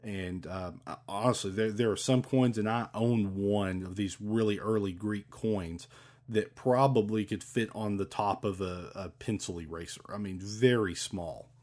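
Guy rambling about his hobby, lots of ums and restarts, kinda low voice, gets excited. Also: unhurried. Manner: rambling and enthusiastic, many fillers and restarts. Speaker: podcast host talking about ancient coins. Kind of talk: casual explanatory talk.

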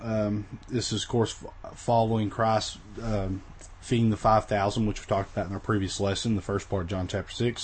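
Guy doing a bible lesson, kinda husky and low, weak voice after being sick, lots of ums and restarts. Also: darkish tone. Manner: casual, rambling, many fillers and restarts. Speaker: Bible study teacher.

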